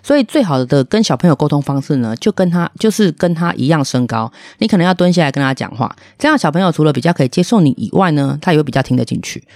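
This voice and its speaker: A woman hosts a casual monologue and tells her story with blunt indignation. Her voice swoops up and down, and the words tumble out rapidly. The recording is dry and close. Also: sits low, animated, a little mellow, no echo. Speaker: podcast host, restaurant owner.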